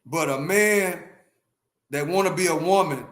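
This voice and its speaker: A man's voice: fairly high pitch, a little slow, a bit bright, roomy sound. Emphatic fifty-something man ranting to chat. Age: 50s. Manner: emphatic, repetitive, talks to chat. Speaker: livestream host. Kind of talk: opinionated livestream rant.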